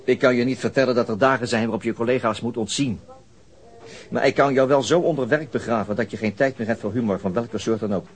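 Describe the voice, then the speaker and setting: An actor playing a steady senior police detective in a radio drama, dry, businesslike and commanding. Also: male voice, medium pitch, quick pace, close to an everyday voice. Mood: firm, commanding.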